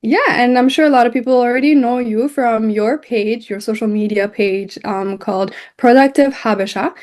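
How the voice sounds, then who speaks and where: A woman's voice: a little high, moderate pace, darkish tone. A woman hosting an interview, friendly and encouraging, with the odd um. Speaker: interview host.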